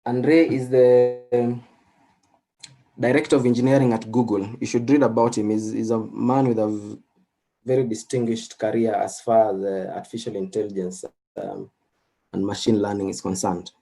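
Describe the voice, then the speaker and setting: A man whose first language is Swahili, lecturing slowly and thinking aloud through frequent fillers and restarts. His voice sits a little low and has a mellow, relaxed tone. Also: creaky. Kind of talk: recorded lecture with slides.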